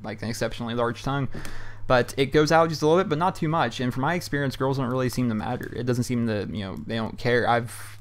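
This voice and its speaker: In his hot bedroom at home, a young YouTube host answers viewer questions in a casual Q&A show, rambling loosely with lots of "um" and "you know." His medium-pitched voice moves fast.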